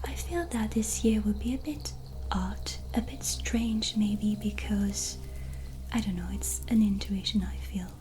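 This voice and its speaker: Slow whispering white witch, played by a woman. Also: mid-range voice, fairly even intonation, lightly acted. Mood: gentle, reassuring. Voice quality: breathy, whispery. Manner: slow, pausing, soothing, reflective. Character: gentle, reassuring white witch reading tarot cards. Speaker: ASMR roleplayer giving a tarot reading. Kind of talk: soft-spoken whispered ASMR roleplay. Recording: soft music behind close voice. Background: soft relaxing music.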